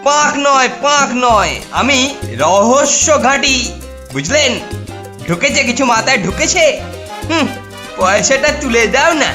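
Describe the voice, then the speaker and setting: A woman's voice: sits high, lively intonation, a little slow, pauses often, over music. A woman voicing a boastful, bossy teenage boy who fancies himself a detective, in a cartoon. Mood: indignant. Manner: pompous, bossy. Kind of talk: cartoon voice acting.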